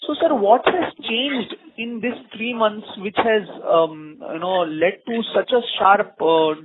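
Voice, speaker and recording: A man's voice: high-pitched, takes it slowly, a little hiss or hum. A man, heard over a faint, feeble phone line, asking a probing question on a conference call. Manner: probing, builds a question from many figures.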